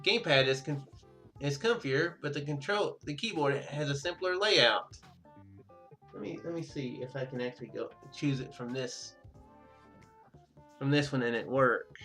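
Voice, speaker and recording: A man's voice: medium pitch, moderate pace, long pauses, sharp tone, soft background music. A man giving casual let's play commentary as host of a gaming video, rambling and thinking aloud.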